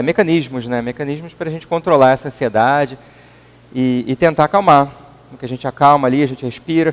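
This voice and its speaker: Man giving a conversational talk, Brazilian accent. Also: mid-range voice. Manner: conversational, keeps adding questioning tags. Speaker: lecturer at a spiritist center. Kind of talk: informal public talk. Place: meeting hall. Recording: long reverb in a hall.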